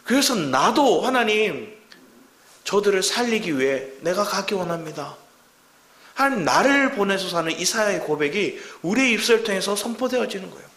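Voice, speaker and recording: Male pastor, lively and fairly high voice, preaching with a roomy church echo. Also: normal speed. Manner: animated preaching, acting out quoted voices. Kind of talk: sermon. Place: church sanctuary. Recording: echoey church hall.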